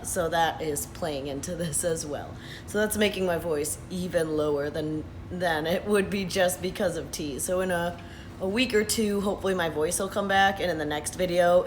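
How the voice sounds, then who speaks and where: A hoarse man in his thirties talks earnestly in a casual vlog, pausing often with "uh" and "um". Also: fairly high pitch, a little hiss or hum. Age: 30s. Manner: earnest, unhurried, with frequent "uh" and "um". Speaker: vlogger. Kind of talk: casual talking-head update. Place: sitting at his workplace after hours.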